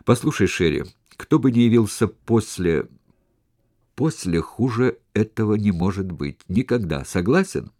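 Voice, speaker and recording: A man's voice: lowish voice, lively intonation, measured pace, dry recording, studio quality, pitched above the performer's own voice. Man voicing a raging ex-convict. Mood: impatient. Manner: shouting, clipped angry outbursts. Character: furious ex-convict man, vengeful, hot-tempered. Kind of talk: audiobook character reading.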